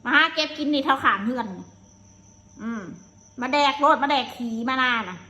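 A woman's voice: high voice, moderate pace, pushed and bright, muffled recording. A woman with a Lao accent, live streaming alone and angrily cursing and hurling insults. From Laos. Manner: angry, cursing, insulting tirade. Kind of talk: solo live-stream rant.

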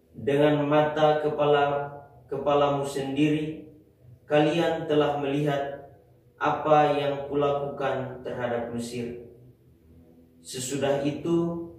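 A young male lector reads scripture slowly and evenly, his fairly high voice barely rising or falling. He is picked up from far off, and the small chapel's strong echo hangs on every phrase. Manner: slow, even reading voice. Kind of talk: reading scripture aloud.

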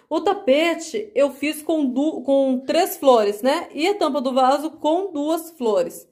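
A woman's voice: high-pitched, darkish tone. A woman crochet vlogger from Brazil, chatting affectionately at home as she shows her work to viewers. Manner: affectionate, chatty, calls viewers "meus amores" and "gente". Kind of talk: casual show-and-tell vlog.

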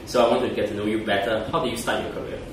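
A low-pitched man hosts a business podcast interview, putting direct questions to his guest in an easy conversational way. He sits back from the mic, so his voice comes through a roomy, echoey office space. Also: fairly even intonation, racing, recorded from a distance, noisy background. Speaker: podcast host. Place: office meeting room.

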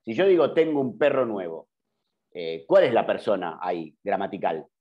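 A middle-aged Argentine man teaching an online class, his voice fairly low-pitched. He explains rules patiently, fills pauses with "eh" and corrects himself as he goes. The call audio sounds dull and lo-fi. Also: big pitch swings. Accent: Argentine Spanish. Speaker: journalism teacher. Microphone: computer mic on video call.

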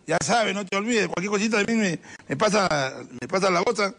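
A man's voice: sits high, animated, fairly quick, fairly bright tone. A man playing a self-important, brusque minister in a comic phone sketch.

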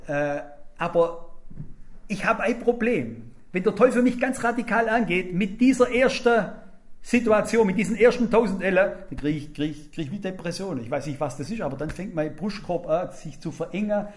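Older male preacher, fairly high voice, emphatic sermon delivery with acted-out quotes. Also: animated, moderate pace.

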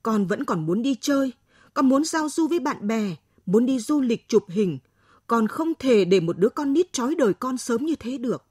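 A woman reading a story aloud, voicing a defiant young pregnant student whose voice is sharp and rising. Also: on the high side, lively intonation, normal speed, slightly rough, no room sound, clean studio sound. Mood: defiant, bitter.

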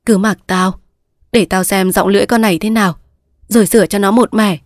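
An old village mother with a sharp tongue, scolding bluntly and holding her ground, read by a woman narrator. The voice is dry and close, with no room around it. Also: medium pitch, fairly even intonation, brisk, dry recording, natural voice. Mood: stubborn.

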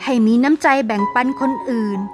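A woman's voice: a little fast, music in the background, lightly acted. A woman voicing a kind, earnest young son of a poor mother in a cartoon story. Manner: polite, earnest.

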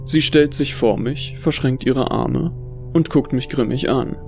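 A man narrates a scripted first-person horror tale. His voice has a gravelly fry and a measured, brooding delivery. Music sits underneath. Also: mid-range voice.

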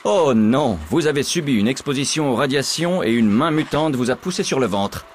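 An actor playing a middle-aged male teacher who gives an exam in a video game, with a dry, matter-of-fact delivery and deadpan humor. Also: medium pitch, moderate pace, a little hiss or hum, natural voice. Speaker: exam proctor. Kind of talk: game character dialogue.

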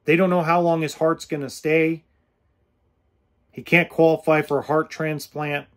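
A man's voice: a little high, level tone, measured pace. A man in his forties hosting a podcast, talking straight to the camera in a blunt, earnest way into a close studio mic indoors. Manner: blunt, earnest straight talk with hand gestures. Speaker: podcast host. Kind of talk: casual direct-to-camera talk. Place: indoors in an RV or home kitchen. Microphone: studio mic with pop filter close in front.

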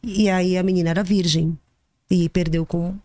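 A woman, a podcast guest, telling a personal story in an animated way, often repeating herself and restarting sentences. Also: fairly low pitch, normal speed, no echo. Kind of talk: storytelling anecdote.

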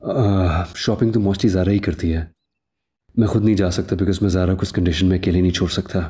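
An actor with a Pakistani Urdu accent playing a worried young husband in a TV drama, calm and mixing in English. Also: male voice, deep voice, a little fast, lightly acted. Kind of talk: TV drama acting.

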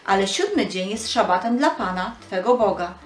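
A woman's voice: mid-range voice, animated, normal speed. A woman reading a scripted Bible narration for children. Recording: roomy echo.

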